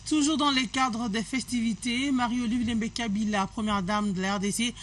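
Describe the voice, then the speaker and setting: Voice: medium pitch, steady tone, moderate pace, background noise. A news anchor reading formal links between reports.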